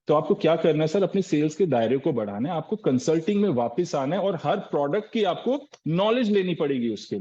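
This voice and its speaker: Male sales trainer at a live session: quizzes his listeners and answers himself, calls them "sir", low-fidelity recording. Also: darkish tone, highs cut off. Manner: asks rhetorical questions and answers them, often says "sir".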